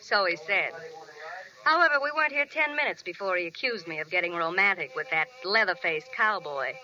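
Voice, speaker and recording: A bitter, sardonic American wife in an old forties radio drama. Her voice is very bright and cutting, with deadpan acid wisecracks. The recording is dull and muffled. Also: lowish voice, fairly quick. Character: bitter, sardonic unhappy wife from New York. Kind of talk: 1940s radio drama acting.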